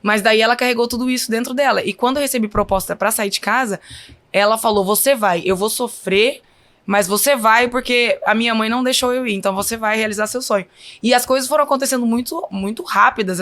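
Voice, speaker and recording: A woman's voice: on the high side, quick pace, fairly bright tone. A woman in her thirties with a Minas Gerais accent, telling stories as a guest in a podcast interview. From Brazil. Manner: chatty, often says "então, assim". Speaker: guest volleyball player. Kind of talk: casual interview storytelling.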